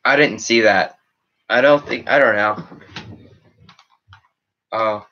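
A man's voice: on the low side, slow pace, muffled recording, a little hiss or hum. A teenage boy wearing a headset, casually rambling through his live chat in a small room with a green backdrop. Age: teens. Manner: rambling, chatty, reacting to comments. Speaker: livestream host reading chat.

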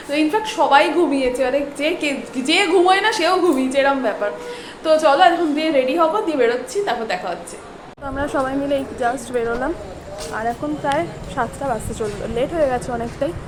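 A young woman vlogging her day in a chatty way, mixing in English words, filmed on a phone at home and on busy streets. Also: high voice. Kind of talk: casual daily vlog chat. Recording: noisy street and room background.

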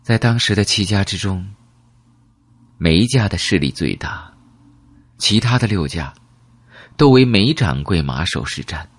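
Man voicing a low-pitched, wistful old woman. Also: animated, breathy edge, no room sound, full character voice. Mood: calm, wistful. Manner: slow, measured, reminiscing with rhetorical questions. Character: elderly woman storyteller, calm, wistful, secretive.

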